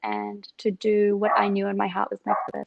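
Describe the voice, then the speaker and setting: A woman talks at a moderate pace with a New Zealand accent. Her pitch moves in an ordinary way. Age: 20s. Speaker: pageant candidate. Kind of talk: interview. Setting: live video stream.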